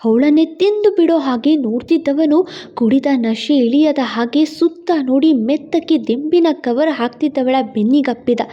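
Brief: woman storyteller, high mellow voice, emphatic narration, muffled audio. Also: moderate pace.

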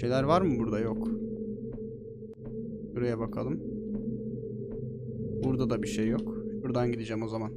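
Excitable, foul-mouthed male gamer. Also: mid-range voice, moderate pace, long pauses, over loud music. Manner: excitable, swears a lot, jokey. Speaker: gaming streamer. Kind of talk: let's play commentary.

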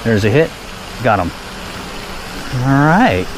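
A man talks his way through a fishing session in an easy, chatty voice at a middling pitch. He is outdoors by a park pond, recorded on a head-mounted action camera, with steady background noise under his voice. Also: takes it slowly. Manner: relaxed, chatty, pleased exclamations at each catch. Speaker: fishing vlogger. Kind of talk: casual running commentary while fishing.

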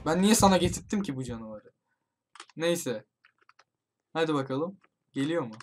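A man playing a horror game online with friends, commentating for his channel and urgently shouting warnings to his teammates. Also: fairly high pitch, expressive, moderate pace, a little hiss or hum. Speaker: gaming YouTuber. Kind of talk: excited let's-play commentary with friends.

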